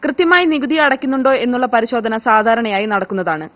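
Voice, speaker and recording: A woman's voice: lively intonation, fast talker. A woman reads scripted news as a broadcast news reader. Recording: muffled, low-fidelity broadcast audio.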